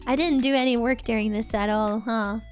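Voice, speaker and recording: High-voiced, giggly young woman. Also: steady tone, a little fast, soft background music. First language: Norwegian. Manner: chatty, giggly and rambling. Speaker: streamer. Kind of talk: casual livestream chat.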